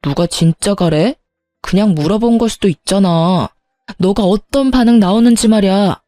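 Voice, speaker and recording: A woman's voice: mid-range voice, moderate pace, mellow, dry recording, soft background music, natural voice. A woman voicing a stubborn, defensive husband who argues indignantly.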